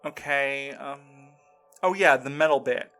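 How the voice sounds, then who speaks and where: Man playing rattled audio drama survivor, insistent, halting, earnest, medium pitch, music behind. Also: fairly bright tone. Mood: shaken, urgent. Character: shaken, insistent man recounting a frightening ordeal. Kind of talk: audio drama acting, first-person recounting.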